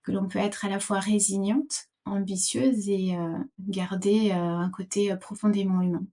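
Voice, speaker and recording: A woman's voice: mid-range voice, fairly even intonation, moderate pace, mellow. A middle-aged woman from Portugal answering interview questions thoughtfully, with many fillers and restarts. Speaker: podcast guest.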